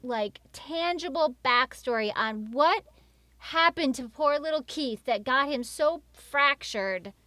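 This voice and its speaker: A woman's voice: high-pitched, animated, slow pace, bright, forceful tone, dry recording. A woman co-hosting in casual banter, teasing and playfully bossy. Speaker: co-host.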